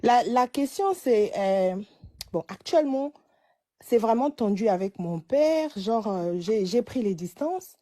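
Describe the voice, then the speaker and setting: A woman's voice: a little high, lively intonation, a little slow, mellow. A woman in her late twenties calling in for advice, telling her story hesitantly with many restarts. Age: late 20s. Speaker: caller. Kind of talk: phone-in advice call.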